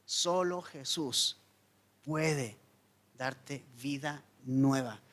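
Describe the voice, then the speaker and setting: A man preaching a sermon as pastor, telling the story dramatically with wide swings between loud emphasis and hushed lines. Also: medium pitch, drawn-out words. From Chile.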